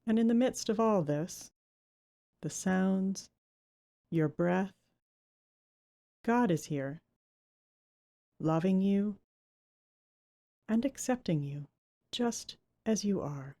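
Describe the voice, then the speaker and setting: A woman leading a guided Christian meditation, giving gentle, unhurried instructions with long pauses between phrases. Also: mid-range voice, lively intonation.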